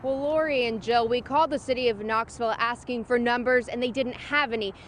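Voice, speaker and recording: A woman reporting live as a television news field reporter, in a scripted news delivery. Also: sits high. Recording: faint outdoor traffic noise.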